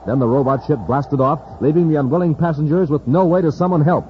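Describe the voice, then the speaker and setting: A male announcer in a 1950s radio show, pitching products to children and recapping the story. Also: fairly even intonation, fast. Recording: dull old radio broadcast with faint hiss.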